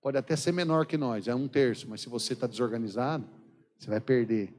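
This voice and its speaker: A Brazilian man with a São Paulo accent preaches a sermon in a large church hall, and his mid-pitched voice rings out with a long reverb. He tells stories with a joking edge, laughing often and acting out what people said. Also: fairly quick, darkish tone. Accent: Brazilian Portuguese, São Paulo. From São Paulo state, Brazil. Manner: jokey storytelling, acts out quoted dialogue, laughs often. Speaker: missionary preacher.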